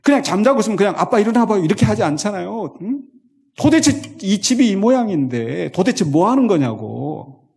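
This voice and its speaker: Male pastor, sermon, lively rising and falling pitch, fairly high voice, slow emphatic scripture reading. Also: vocal fry, breathy edge. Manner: animated preaching, reads scripture slowly and with feeling.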